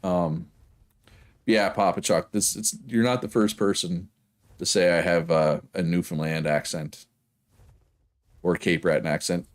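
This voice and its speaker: In a low, steady voice at a measured pace, a man with a Prince Edward Island accent chats with game livestream viewers, leaving long pauses. His talk wanders casually, and he often checks in with "right?".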